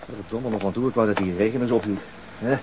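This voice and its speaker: An actor as a deep-voiced, weary detective. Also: male voice, fast talker, very noisy, close to an everyday voice. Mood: grumbling, impatient. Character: weary, grumbling, dry male police detective. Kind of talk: radio drama acting.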